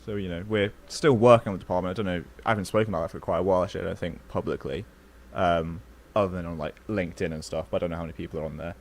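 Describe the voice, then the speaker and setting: Low-voiced relaxed stream host. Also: male voice, racing. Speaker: YouTube tutorial creator, stream host. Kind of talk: casual live-stream Q&A.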